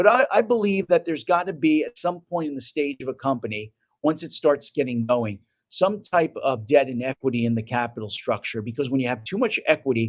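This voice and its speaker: Talking at a fairly quick pace, a man with an American accent uses lively intonation at a fairly high pitch. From New York. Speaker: family office investor. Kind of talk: panel discussion.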